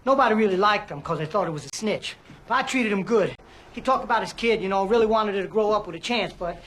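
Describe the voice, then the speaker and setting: An actor playing a paranoid, disgraced middle-aged former priest and spy, profane and rambling, in film audio with music. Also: male voice, high-pitched, fast, very noisy, close to an everyday voice. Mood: nervous. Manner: profane, rambling, panicky outbursts. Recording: film audio with loud score.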